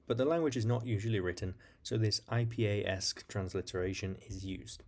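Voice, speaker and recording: A man's voice: fairly low pitch, fairly quick, darkish tone. A man hosting an educational video, reading scripted narration in an explanatory style. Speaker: video host.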